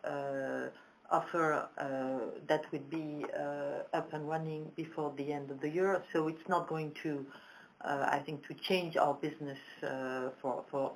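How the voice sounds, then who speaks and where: A woman executive answering questions on a financial conference call, halting and hesitant with frequent pauses. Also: low-pitched, slight background noise, rough recording. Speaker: company executive.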